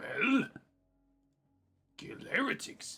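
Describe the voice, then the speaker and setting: A man puts on a raspy character voice. Faint music plays in the background. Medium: actual play. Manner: simple, blunt, broken grammar.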